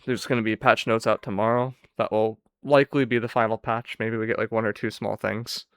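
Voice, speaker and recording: A man's voice: lowish voice, a bit bright, clear, resonant tone, dry recording, clean studio sound. A man giving a casual, unscripted farewell commentary on a video game, speaking in a downcast, wistful, resigned way. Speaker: gaming channel streamer.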